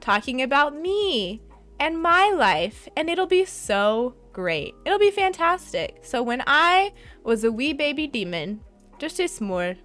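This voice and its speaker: A woman's voice: high-pitched, very animated, slow, fairly bright tone. A young adult woman with an American accent hosting a casual chat show, bubbly, giggly and playful. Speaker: host. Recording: faint background music.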